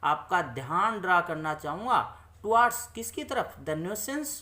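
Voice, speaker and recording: A man teaching in a classroom style, repeating points, asking questions and answering them himself, and slowing down for English phrases. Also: high-pitched, animated, bright, forceful tone. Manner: switches between English phrases read slowly and explanation. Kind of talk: classroom-style lesson explanation.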